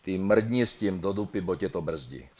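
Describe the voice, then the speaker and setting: A man voicing a dead male lover who loudly and urgently pushes his bride to hurry, partly in coarse slang. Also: medium pitch, expressive, lightly acted. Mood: pushy. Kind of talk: comic dramatic reading.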